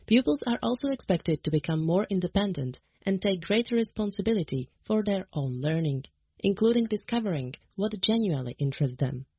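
A woman reading a translated voice-over in an even, formal scripted narration. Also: medium pitch, a little fast, husky, dry recording. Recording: dry, dull lo-fi radio sound.

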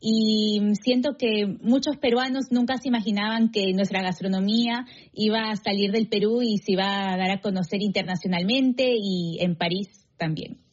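A woman's voice: mid-range voice, fairly even intonation, moderate pace, few pauses. A woman journalist from France, a guest on a radio interview, speaking in a friendly, personal way with some hesitations. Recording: muffled broadcast audio.

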